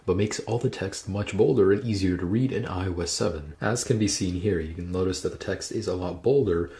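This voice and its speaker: Gravelly low-voiced man explaining phone tips. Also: a little fast, dark tone. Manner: step-by-step instructional, walks through menus. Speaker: tech tutorial host. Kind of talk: screen-recorded how-to narration.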